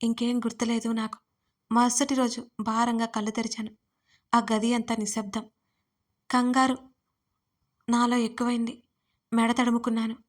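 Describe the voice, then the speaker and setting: Woman narrating an emotional audio story. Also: on the high side.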